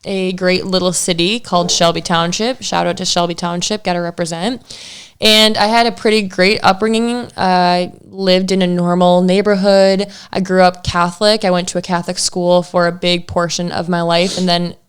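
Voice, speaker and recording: A woman's voice: lowish voice, little pitch movement, moderate pace, clear, resonant tone. A woman in her twenties with an American Midwestern accent, chatting casually and playfully as a podcast co-host, often jumping in. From Michigan, United States. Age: 20s. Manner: playful, interjecting. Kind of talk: casual relationship podcast chat.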